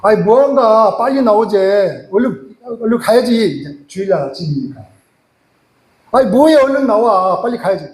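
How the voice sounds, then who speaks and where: Preacher doing a naggy older mother-in-law rushing everyone, roomy echo. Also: high-pitched, expressive. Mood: nagging. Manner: nagging, hurrying. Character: nagging older mother-in-law hurrying family.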